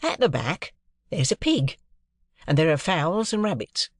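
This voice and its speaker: A man voicing a cheerful, proud middle-aged male clerk, talking brisk and earnest in a raised voice. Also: fairly high pitch, very animated, no room sound, studio quality, voice pushed up.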